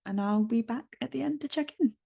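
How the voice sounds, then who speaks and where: A woman's voice: on the high side, fairly quick, creaky, dark tone, slightly rough. A woman hosting a language-learning podcast, gushing and bubbly, with plenty of ums as she introduces her guest. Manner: bubbly, gushing, many fillers. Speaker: podcast host. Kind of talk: enthusiastic interview intro. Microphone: recording a video intro.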